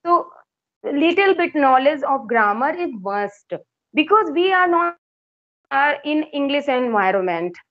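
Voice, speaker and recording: A woman's voice: high-pitched, sing-song, a little slow, muffled recording. A woman in her thirties from Uttar Pradesh, India, a native Hindi speaker who tutors English, talking in hesitant English with an Indian accent, full of fillers and restarts. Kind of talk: casual English conversation practice.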